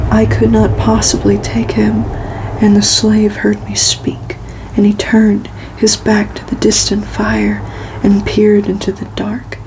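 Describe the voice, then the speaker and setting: Female ASMR reader: whispered storybook narration, crackly fry, very even intonation, soft and breathy. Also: medium pitch. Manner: slow, soft, unhurried delivery. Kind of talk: ASMR whispered novel reading.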